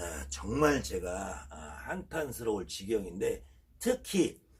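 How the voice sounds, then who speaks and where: A man in a Chungcheong accent speaks at a very slow pace. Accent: slow Chungcheong speech. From Chungcheong, Korea. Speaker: shaman ritual master and teacher. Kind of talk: lecture. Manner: animated ranting.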